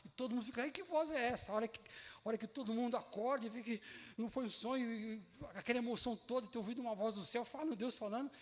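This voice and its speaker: A man with a Brazilian Portuguese accent preaching a sermon in lively, colloquial storytelling that acts out the scenes. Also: very high-pitched, very fast. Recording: echoey hall reverb.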